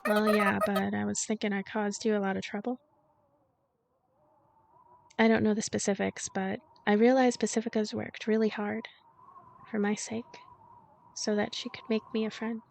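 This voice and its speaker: A woman's voice: mid-range voice, little pitch movement, moderate pace, creaky, pauses often, slight background noise, close to an everyday voice. A woman voicing a lonely, self-blaming ghost girl in a visual novel, subdued and hesitant. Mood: apologetic.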